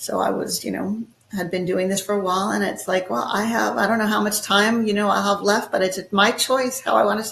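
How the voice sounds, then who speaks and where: A woman's fairly quick, fairly even delivery with hardly any pauses, over noticeable background noise. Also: medium pitch for a woman. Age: 60s. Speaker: business executive and author. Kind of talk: interview.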